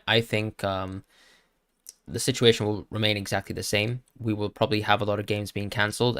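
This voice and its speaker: Low-voiced young man stammering through stream chat questions. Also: a bit bright, dry recording, studio quality. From Hong Kong. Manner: reads out chat questions and answers them with frequent stammered restarts. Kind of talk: casual live-stream Q&A. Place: home streaming setup with green screen. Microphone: new streaming mic.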